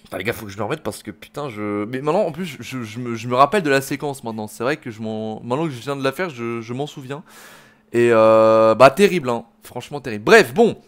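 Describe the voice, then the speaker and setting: Angry swearing gamer. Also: male voice, mid-range voice, animated, fast. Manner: swearing, slangy, talks to viewers as "les gars". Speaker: gaming video host. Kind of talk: let's play commentary.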